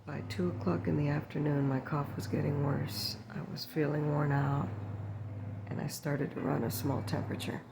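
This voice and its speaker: A woman shares a personal story in a relaxed ASMR vlog, speaking softly and slipping into whispers now and then. Her voice has a gravelly edge and stays level in pitch. A steady hiss of noise runs under the recording. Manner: soft, unhurried storytelling to viewers with drifts into whispers. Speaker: ASMR channel host. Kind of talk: story-time ASMR chat. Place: sitting indoors at home.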